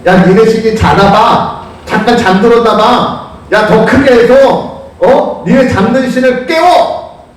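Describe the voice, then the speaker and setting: A man voicing a bold male prophet who brashly taunts and challenges his rivals in rough casual speech. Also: high-pitched, a little slow, pitched above the performer's own voice. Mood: mocking. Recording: echoey church hall, distant mic.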